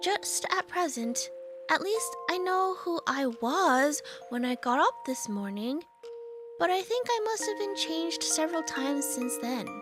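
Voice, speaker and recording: Music plays in the background as a woman with an American accent talks at a fairly slow pace. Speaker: VTuber English teacher. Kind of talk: storybook read-aloud.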